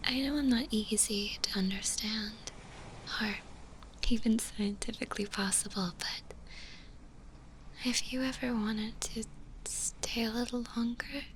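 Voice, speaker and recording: A woman voicing a gentle, lonely stitched-together zombie girl in a whispered ASMR roleplay, with a soft breathy voice and tender, hesitant delivery. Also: fairly high pitch, steady tone, a little hiss or hum, natural voice, rough recording. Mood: soothing, tender. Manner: slow, hesitant, tender delivery with long pauses.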